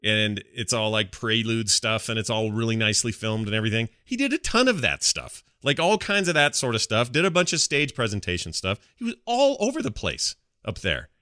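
A man's voice: on the low side, very animated, fairly quick, few pauses, bright, forceful tone, dry recording, clean studio sound. An American man chatting casually as co-host of a gaming podcast. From United States.

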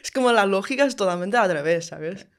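A woman from China with a Chinese accent in Spanish, a second language for her, talking as a podcast guest in a halting way with frequent restarts. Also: medium pitch, animated. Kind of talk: casual interview chat.

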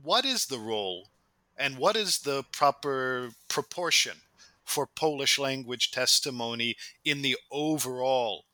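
Male academic interviewer, very sharp bright tone, mid pitch, dry sound, thoughtful phrasing. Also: expressive, no echo. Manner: measured, thoughtful, articulate.

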